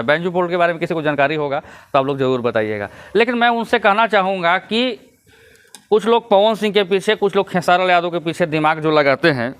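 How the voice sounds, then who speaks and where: A man's voice: sits high, fairly bright tone, clear, resonant tone. A man giving casual vlog commentary, lecturing his viewers and chuckling between points. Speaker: YouTube commentator.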